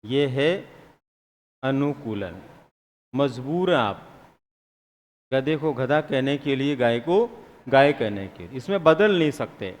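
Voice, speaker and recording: A man's voice: mid-range voice, expressive, slow, pauses often, long reverb tail. A man teaching psychology in a live classroom lecture, questioning students and answering his own questions, sometimes teasing them.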